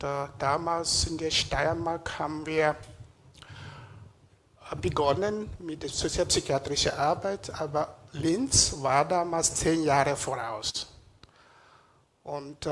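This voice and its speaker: A man from Nigeria giving a public lecture in a lecture room, pausing often with hesitations as he searches for words. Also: a little high, a bit bright, a little hiss or hum.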